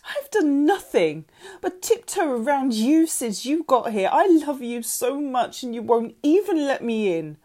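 Desperate, emotional mum played by a woman for audiobook dialogue, higher register, intense and expressive. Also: normal speed. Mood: furious, hurt. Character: anguished birth mother, desperate, pleading, emotional. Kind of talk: dramatised audiobook character dialogue.

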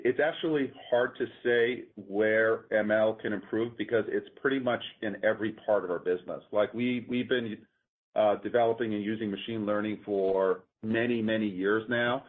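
Man, company executive, low pitch, halting explanatory delivery, muffled conference-call audio. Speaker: company executive answering analysts. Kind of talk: earnings call answers, unscripted explanation. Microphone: conference call line. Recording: muffled, narrow-band conference phone line.

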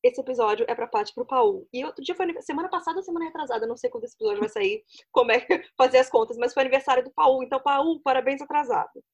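Fast-talking woman podcast host. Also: high-pitched, husky, lo-fi sound. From Brazil. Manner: chatty, laughs often, fast-talking. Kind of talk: casual chat.

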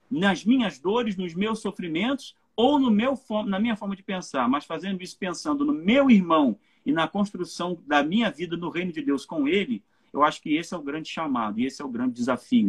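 Here a Brazilian pastor's voice is high-pitched and husky as he talks earnestly to a live church audience. He frequently checks in with them, tossing in "né?" and "entende?" again and again.

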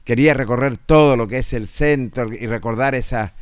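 A man with a Chilean accent co-hosting a casual sports radio show, speaking haltingly and repeating himself. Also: medium pitch, smooth, no room sound, clean studio sound.

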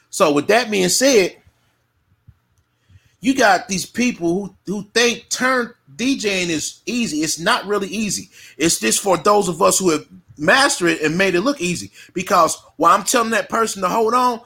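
High, gravelly-voiced DJ man. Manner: animated, profane, repeats himself. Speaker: DJ and co-host. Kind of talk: casual chat.

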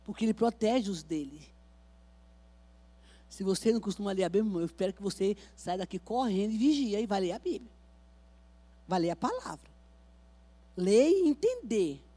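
A woman missionary, preaching a fervent sermon at a church service and moving between quiet storytelling and loud exhortation. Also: medium pitch, lively intonation, moderate pace, long pauses.

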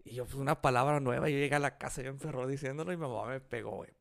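A man's voice: mid-range voice, fairly even intonation, very fast, vocal fry, no echo, studio quality. A man from Los Angeles with a Mexican-American accent in Spanish, chatting casually with plenty of slang, swearing and bits of English. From Los Angeles, United States. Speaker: podcast co-host. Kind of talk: casual bantering chat.

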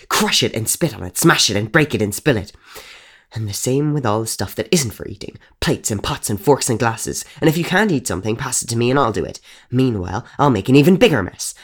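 A man's voice: fairly low pitch, creaky, breathy edge, full character voice. A man voicing a wicked little ghost girl in a bedsheet, speaking in a bossy, coaxing way in a storybook reading.

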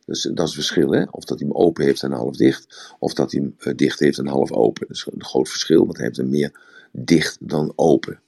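A man's voice: a bass voice, brisk, creaky, darkish tone. A man giving a rambling, explanatory talk on communication in a live audio room, often repeating words. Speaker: speaker on communication.

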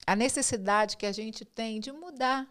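A woman's voice: fairly high pitch, moderate pace, a bit bright. A woman in her forties co-hosting a live stream, playful and teasing. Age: 40s. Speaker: co-host. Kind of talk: casual live-stream chat.

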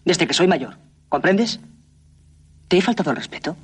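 A man's voice: sits high, lively intonation, normal speed, slightly rough, exaggerated voice. An actor playing a blunt, defiant young man in a 1970s film drama. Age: young adult. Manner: curt, defiant. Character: cocky, blunt young working-class man.

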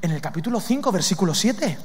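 A man from preaching a lively sermon, questioning his listeners and acting out lines from scripture. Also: high voice, fast talker. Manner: lively, asks the audience questions, acts out demons' lines. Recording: long hall reverb.

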